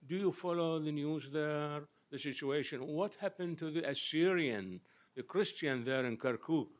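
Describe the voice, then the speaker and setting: A man's voice: fairly high pitch, moderate pace. A man from Iraq in the audience, telling an earnest, emphatic story and asking the speaker a question. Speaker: audience member.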